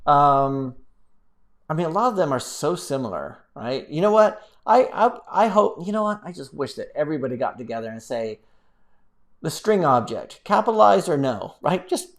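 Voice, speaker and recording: A man's voice: on the high side, normal speed. Rambling, casual male live-stream host. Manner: rambling, animated, playfully exclamatory. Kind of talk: casual live chat, reading out viewer comments.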